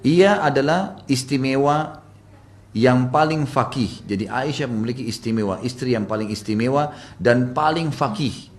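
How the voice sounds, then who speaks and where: A male preacher giving a religious study lecture, telling a story in a relaxed, conversational way with casual filler words. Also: medium pitch, moderate pace.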